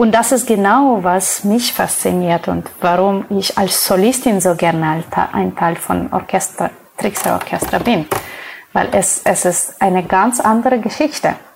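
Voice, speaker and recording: Fairly slow speech from a woman at medium pitch, ordinary pitch variation and very even loudness, with noticeable background noise. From Ukraine, then Israel from age 13. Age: 30s. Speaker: cantor and singer. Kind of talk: casual interview chat.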